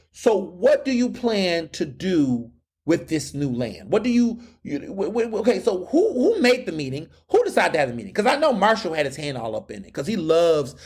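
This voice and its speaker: A man's voice: high voice, big pitch swings, moderate pace, breathy edge. A young man from Houston hosting his podcast, ranting in a fiery, sarcastic monologue full of rhetorical questions. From Houston, Texas. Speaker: podcast host. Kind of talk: opinion monologue.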